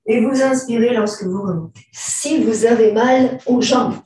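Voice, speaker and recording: A woman teaching a yoga and stretching class, giving slow, calm instructions and often clearing her throat. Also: a little high. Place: large room during an online class. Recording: very echoey room, far from the mic.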